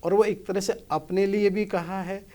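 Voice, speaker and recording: A man's voice: sits high, steady tone, unhurried, dark tone. A man, a motivational speaker, earnestly explains scripture in a conversational way and asks rhetorical questions.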